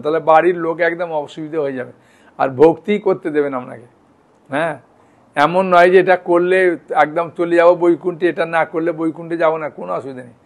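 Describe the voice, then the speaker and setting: A man giving a devotional lecture as a monk. He talks in a conversational, reassuring way and often checks in with his listeners. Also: sits high. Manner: conversational, reassuring, checks in with "hyan" and "thik ache".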